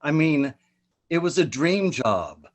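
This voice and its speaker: A man performing his own prose poem in a virtual reading over a video call, with a dramatic delivery that swings up and down. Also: slow pace. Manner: expressive dramatic reading, pitch rises and falls. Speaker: poet reading his work.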